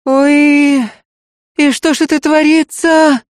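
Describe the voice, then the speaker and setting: Brief: shrill, fast, loud tearful peasant maid, voiced by a woman narrator, dry close sound. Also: no room sound, natural voice. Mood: wailing fuss. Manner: wailing, rapid, folksy lamenting. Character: fussy tearful peasant maidservant, middle-aged woman.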